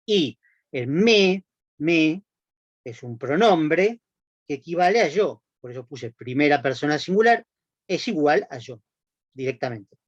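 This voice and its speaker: A male lecturer with a Rioplatense accent explains patiently, dropping "¿no?" and "¿sí?" to check on his students. His voice sits a little high for a man. The recording is dry and slightly dull, like a classroom lo-fi capture. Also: animated, measured pace, long pauses, dry recording. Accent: Rioplatense Spanish. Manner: explanatory, frequent checking tags "¿no?" and "¿sí?". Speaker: university lecturer.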